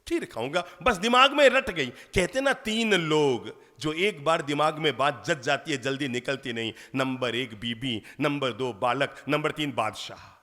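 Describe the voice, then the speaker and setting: A man preaching, telling a story with lively rhetorical questions. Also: on the high side, a little slow, few pauses. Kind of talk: storytelling sermon. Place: large lecture hall. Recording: long hall reverb.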